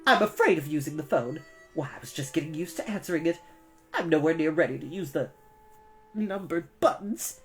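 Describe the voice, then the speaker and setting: A woman's voice: low voice, expressive, brisk, faint music behind. A woman voicing a fearful, fussy older aunt in a children's storybook, whining and scolding in a pedantic way. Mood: cross, defensive. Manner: whining, grammar-pedantic, stern.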